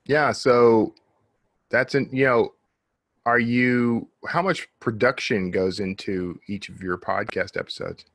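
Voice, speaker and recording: A man's voice: mid-range voice, fairly even intonation, slow pace, dry recording. A man hosting a podcast, chatting casually and informally with a guest. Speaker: podcast host.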